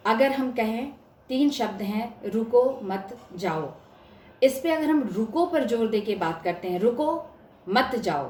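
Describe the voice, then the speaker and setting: A woman's voice: fairly high pitch, darkish tone. Woman lecturing in an echoey room. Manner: explanatory, stresses words to show examples. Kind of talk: academic lecture. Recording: echoey room with faint hiss.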